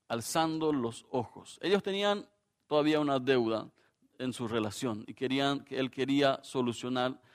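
A man preaching a sermon as a pastor, acting out quoted voices and swinging between loud bursts and soft, hushed lines. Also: mid-range voice.

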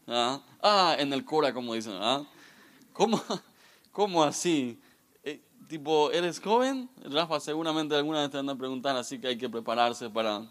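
A man in his thirties, a guest pastor, giving a lively, joking youth sermon straight to the audience. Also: mid-range voice. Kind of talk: youth sermon with humorous stories.

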